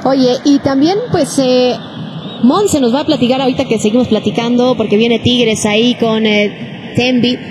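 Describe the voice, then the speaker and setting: High-voiced woman calling soccer, noisy background. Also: steady tone, moderate pace. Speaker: sports play-by-play commentator. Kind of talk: live soccer commentary with casual chat.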